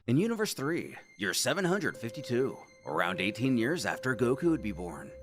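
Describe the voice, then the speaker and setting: Animated male story narrator. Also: mid-range voice, normal speed. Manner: animated storytelling with wry asides. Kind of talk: scripted story recap narration. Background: faint background music.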